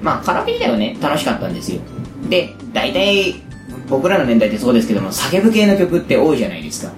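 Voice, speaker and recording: Guy with raspy wrecked voice chatting fast, really animated, echoey room w music behind. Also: medium pitch. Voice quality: hoarse, gravelly rasp from overused voice. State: hoarse after a day of shouting karaoke. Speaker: recording show host. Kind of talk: casual chat. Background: background music.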